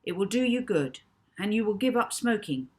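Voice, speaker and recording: A woman's voice: mid-range voice, animated, normal speed, a little mellow, pitched above the performer's own voice, natural voice. A woman doing an earnest, kind-hearted boy. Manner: eager, sometimes whispering. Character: kind, curious boy, sympathetic.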